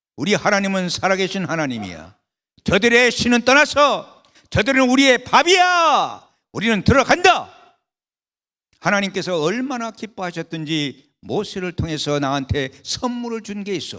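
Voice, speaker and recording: With a raised, projected voice, a man speaks at a high pitch and moderate pace, his bright, sharp tone making very wide pitch swings on a very clean recording with a silent background. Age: 80s+. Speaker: guest pastor and evangelist. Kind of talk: revival sermon. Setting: church. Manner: animated.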